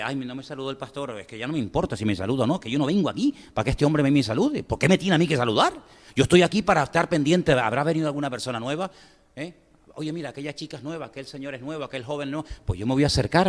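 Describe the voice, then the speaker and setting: A middle-aged man with a Spain Spanish accent, preaching to his congregation. His voice sits a little high for a man, and his speech is emphatic, with repeated words and direct questions to the listeners. Long reverb from the church hall trails behind every phrase. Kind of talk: sermon.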